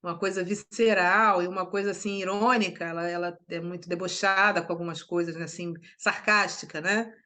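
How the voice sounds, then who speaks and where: A woman's voice: on the low side, steady tone, a little fast, hardly any pauses, sharp tone. A middle-aged woman from Brazil, a writer interviewed as a guest, talking emphatically with restarts and tag questions. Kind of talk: conversational interview.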